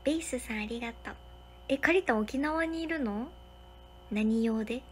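A young woman, hosting a casual livestream from a hotel room and thanking viewers for their comments one by one, sometimes dropping to a soft whisper. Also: a little high, moderate pace, a little hiss or hum. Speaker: livestream host.

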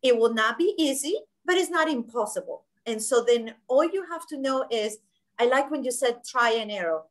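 A woman's voice: on the high side, animated, moderate pace. Emphatic woman on a video call. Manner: emphatic, gestures with hands, frequent fillers and restarts. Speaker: webinar panelist. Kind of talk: conversational panel discussion. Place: home office, indoors. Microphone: laptop webcam video call.

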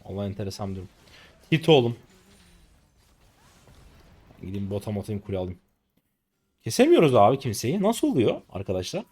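A man in his late twenties giving live gameplay commentary as a streamer, excitable and exasperated, with rough slangy banter at teammates. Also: on the low side, fairly quick, long pauses. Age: late 20s. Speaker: gaming streamer.

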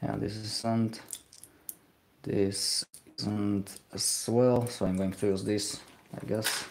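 A man's voice: fairly low pitch, flat delivery, a little hiss or hum. A young man with a Slovak accent, talking hesitantly while he works in a home workshop during a live stream. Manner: hesitant, self-deprecating, halting. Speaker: livestreaming glassblower. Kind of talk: casual live-stream commentary.

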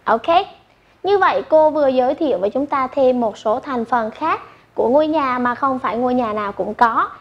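A woman English teacher giving an online primary lesson, slowly modelling words for pupils to repeat. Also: high-pitched, muffled recording. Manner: slow modelling of words for repetition.

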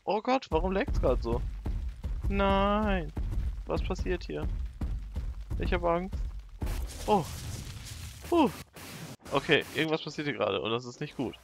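A young man giving casual, excitable let's play commentary and talking to the animals in his game. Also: fairly high pitch, moderate pace, creaky, pauses often, a little hiss or hum. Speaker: gaming YouTuber.

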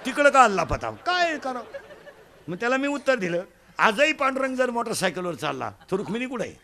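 High voiced preacher guy from maharashtra, animated comic sermon, shouts now and then, bit of hiss behind. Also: fairly quick. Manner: animated, loud bursts, mimics village folk. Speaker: kirtan preacher.

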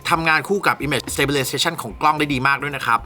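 A young man chatting casually and excitedly as he reviews a camera lens, swearing now and then. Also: a little high, fairly quick. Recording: music bed under the voice.

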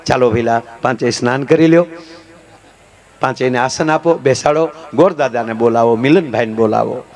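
A man telling folk comedy stories, animated and switching voices for his characters. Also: mid-range voice, moderate pace. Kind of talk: live folk comedy storytelling.

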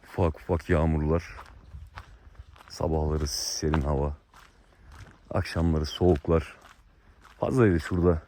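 A man's voice: very deep voice, little pitch movement, unhurried, long pauses, mellow, slight background noise. A man casually chatting to viewers in a vlog, talking fondly to his animals outdoors by a livestock pen. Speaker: vlogger raising lambs.

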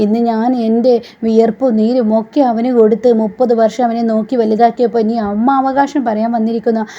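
Woman reading a harsh foster mother, serial retelling; flat, mellow, lo-fi. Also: a little high, a little fast, lightly acted. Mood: accusing. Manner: harsh, accusing. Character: scolding middle-aged woman, fiercely protective foster mother. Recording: dull lo-fi recording.

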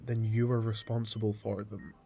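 A man acting as a hospital doctor in an amateur audio drama, with a slightly low voice. He is calm, formal and firm, and there is faint noise behind him. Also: close to an everyday voice. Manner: measured, formal, sober.

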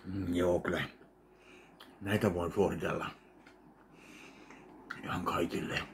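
A man with a very low voice reviews food at his kitchen table, speaking close to a webcam. He chews and hums between remarks, his words sometimes muffled by food. Faint household noise sits behind him. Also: steady tone, creaky. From Finland. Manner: chewing and savoring aloud, mumbled asides while eating. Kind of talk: casual food tasting vlog. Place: small home kitchen, indoors. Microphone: webcam at desk, framed close.

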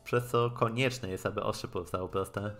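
A man with a Polish accent on a live game stream, haltingly translating dialogue aloud and commenting casually. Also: lowish voice, steady tone, fairly bright tone. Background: game music.

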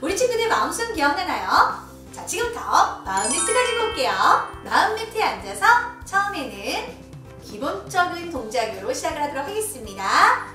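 A woman teacher leading a children's lesson in a gentle, encouraging way and coaching slow breathing. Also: sits high, sing-song. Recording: echoey room, from a distance, soft music.

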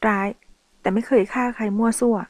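A woman's voice: a little high, fairly even intonation, fairly quick, a little mellow, dry recording, close to an everyday voice. A woman voicing a cold, mocking young male mafia boss with curt, sneering lines in an audiobook reading.

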